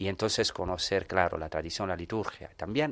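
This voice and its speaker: A man's very deep, low voice with an Italian accent. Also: very clean recording, silent background. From Italy, Rome. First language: Italian (speaking Spanish). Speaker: priest and biblical scholar. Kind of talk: interview.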